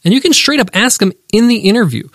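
Emphatic podcast host, dry close sound. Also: male voice, sits high, quick pace, dry recording. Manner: emphatic, animated, enumerates points. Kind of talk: business advice podcast monologue.

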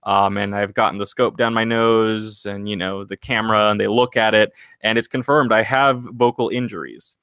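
A man's voice: fairly low pitch, level tone, moderate pace, hardly any pauses, fairly bright tone, smooth, no room sound. A man hosting a singing podcast, talking casually and earnestly, rambling into motivational encouragement. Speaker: singing podcast host and vocal coach.

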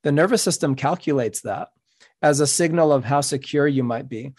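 A man from the United States whose first language was Spanish, sitting in as a podcast guest. He talks in a measured, reflective way at a middle pitch. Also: a little mellow. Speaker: author and guest. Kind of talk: podcast interview.

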